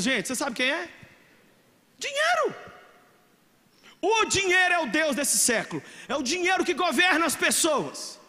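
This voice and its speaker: High, animated Brazilian pastor in a reverberant hall. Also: male voice. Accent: Brazilian Portuguese, Minas Gerais. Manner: animated, shouting, joking storyteller. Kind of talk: lively youth sermon. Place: large church hall.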